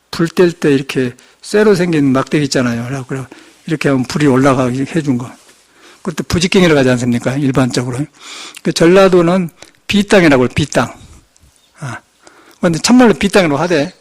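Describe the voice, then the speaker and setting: An older man with a slight Jeolla accent giving a Buddhist sermon in a folksy, storytelling way. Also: fairly high pitch. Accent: slight Jeolla Korean. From Jeolla region, Korea. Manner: folksy storytelling, chuckles, acts out quoted speech. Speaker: Buddhist monk giving a dharma talk.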